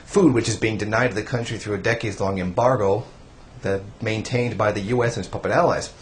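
A young man reading scripted political news commentary in a formal, measured newsreader manner. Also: fairly low pitch, steady tone. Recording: faint background noise.

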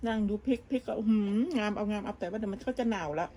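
A woman chats in a gossipy, rambling way, often starting over mid-sentence. Her voice is mellow and soft-edged. Faint clinking of dishes and pans sits behind her in a home kitchen. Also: medium pitch, steady tone, rapid-fire, a little hiss or hum. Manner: gossipy, talks with many restarts and fillers. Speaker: vlogger. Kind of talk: casual chatty storytelling.

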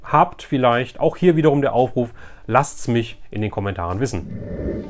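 A man with a medium-pitched voice hosts a collector's video. He chats casually to his viewers, rambling along with enthusiasm. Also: expressive, normal speed, faint music behind. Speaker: toy collector, video host.

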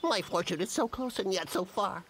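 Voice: medium pitch, lively intonation, normal speed, a crowd in the background, natural voice, rough recording. An actor playing a greedy, scheming cartoon logger with an exclamatory salesman's patter. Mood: gleeful. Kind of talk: exaggerated cartoon acting.

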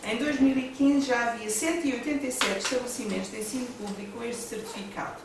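Woman, European Portuguese accent, measured academic speaker at a panel; distant mic in a reverberant room. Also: on the high side. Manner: measured, reads from notes with hesitant asides. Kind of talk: conference presentation. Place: seminar room with a panel table. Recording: echoey room, distant mic, background noise.

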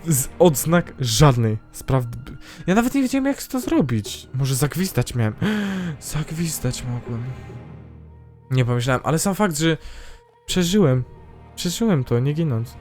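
A male gamer giving casual let's-play commentary, chatty and self-mocking, muttering to himself as he plays. His voice sits fairly high, with faint game music behind him. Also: sing-song, a little slow, darkish tone. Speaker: gaming channel host.

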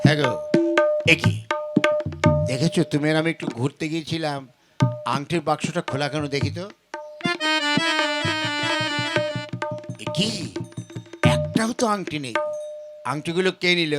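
A man's voice: a little high, moderate pace, long pauses, lightly acted. A man voicing an exasperated village father in a Bengali folk puppet comedy, scolding and questioning with exclamations. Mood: puzzled. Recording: clear instrumental music with tabla behind. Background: folk music with tabla.

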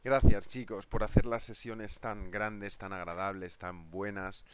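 A middle-aged man with a Spain Spanish accent hosts a live trading stream, bantering with viewers and chuckling as he reads their comments aloud. His voice sits on the lower side and comes across smooth and resonant. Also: little pitch movement, a little slow. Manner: chatty, jokey, reads viewer comments aloud and laughs often. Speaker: trading webinar host.

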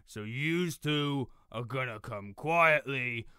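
Man acting a gruff, slow-talking minion guard. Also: mid-range voice, pushed and bright, no echo, studio quality. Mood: menacing. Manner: blunt, working-class slangy speech. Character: gruff, put-upon villain's minion guard with bad back. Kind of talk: audio roleplay drama acting.

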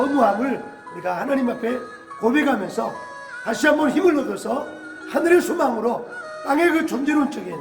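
A man, a pastor, giving a church announcement and prayer over a PA system in a preachy way with frequent drawn-out "ah" fillers. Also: very high-pitched. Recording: echoey church hall with music.

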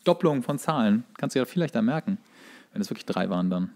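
A man's voice: medium pitch, expressive, fast, a little mellow. Joking man in casual podcast banter. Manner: joking, ironic. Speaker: podcast co-host. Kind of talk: casual comedic chat.

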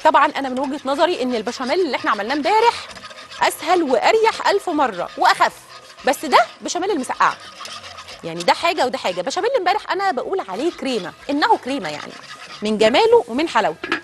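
Talking very fast in a high, sing-song voice, a woman with an Egyptian Arabic accent demonstrates a dish live on her TV cooking show. She chats directly with viewers from the studio kitchen, over a little hiss or hum.

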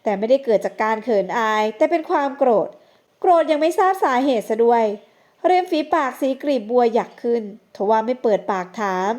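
Woman narrator for an audio novel, high voice, measured and expressive delivery. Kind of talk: scripted narration.

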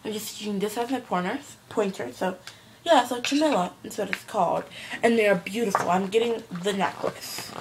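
A woman's voice: mid-range voice, moderate pace. A young woman rambling casually with many fillers, showing jewelry in a home vlog from her bedroom. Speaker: vlogger. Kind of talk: casual show-and-tell vlog. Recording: home video with background noise.

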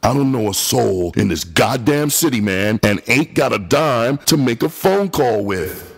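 A man's voice: deep voice, very animated, moderate pace, faint music behind, heavily acted. A man voicing a frightened young woman who pleads in a broken voice. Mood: pleading.

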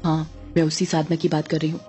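A woman's voice: sits low, flat delivery, fast, warm tone, soft background music, pitched below the performer's own voice, close to an everyday voice. A woman voicing a bossy, scheming middle-aged witch mother who scolds and gives orders. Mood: low scheming. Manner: scolding, commanding.

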